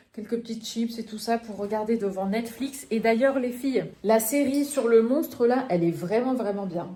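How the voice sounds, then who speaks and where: A woman's voice: fairly high pitch, mellow. A woman in her thirties from northern France, chatting and confiding to camera in a casual vlog, with many fillers. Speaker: vlogger.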